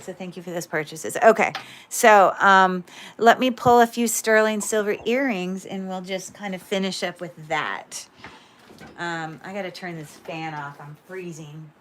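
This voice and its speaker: A woman's voice: fairly low pitch, unhurried, a little hiss or hum. Chatty woman selling jewelry on a livestream. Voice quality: describes own voice as loud. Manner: chatty, many fillers, thinks aloud while handling items. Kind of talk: casual livestream sales chat.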